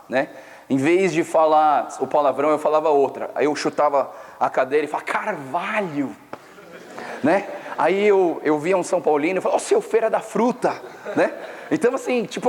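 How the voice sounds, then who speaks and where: A young man from Brazil preaches to a youth camp in a loose, storytelling way full of slang. His voice sits a bit high. The sound rings with the long reverb of a large hall. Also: a little mellow. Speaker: pastor.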